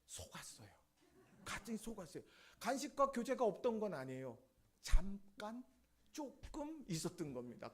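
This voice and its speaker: A man's voice: high-pitched, husky. A man preaching a sermon in a church, telling a testimony story and acting out the voices of the people in it. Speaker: pastor. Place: church sanctuary.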